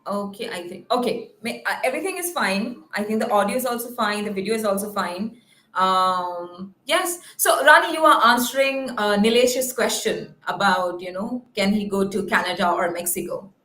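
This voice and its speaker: A woman's voice: medium pitch, expressive, normal speed, sharp tone. A woman hosting an unscripted live call-in show in an informal, chatty way. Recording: roomy, echoing sound.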